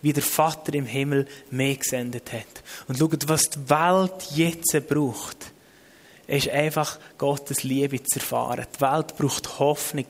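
A man with a Swiss German accent preaching and praying in an informal, earnest, exhorting way with repeated phrases. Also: medium pitch. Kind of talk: sermon with spoken prayer. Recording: long hall reverb.

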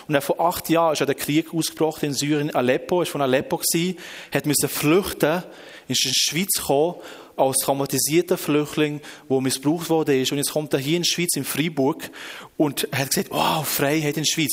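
A man preaching a sermon, telling stories with emphasis and dropping low and quiet at dramatic moments. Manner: emphatic storytelling, drops to quiet near-whisper for dramatic moments.

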